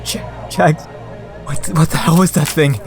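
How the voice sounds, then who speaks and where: A woman's voice: low voice, fairly even intonation, measured pace. A woman playing a nervous, awestruck fifteen-year-old kid, urgent and stammering, in an audio drama. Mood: shaken. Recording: loud music behind voice.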